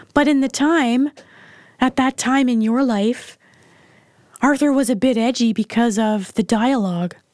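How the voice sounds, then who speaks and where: Speaking fairly slowly with long, frequent pauses, a woman with a Canadian accent uses a high voice, ordinary pitch variation and very even loudness. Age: 40s. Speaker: mother of the host. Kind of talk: casual interview chat. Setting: studio.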